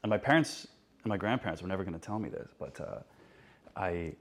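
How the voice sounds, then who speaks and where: Podcast guest, male, deep and gravelly, unhurried and halting delivery. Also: lively intonation. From Canada. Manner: laid-back, halting storytelling with many ums. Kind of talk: casual chat, telling a ghost story.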